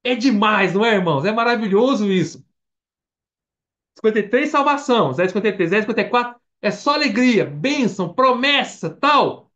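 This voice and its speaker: Brazilian male preacher, higher-pitched voice, sermon full of questions put to the listeners and then answered, muffled lo-fi audio. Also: fairly quick. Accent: Brazilian Portuguese. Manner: animated, asks the congregation questions and answers them. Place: church or online meeting.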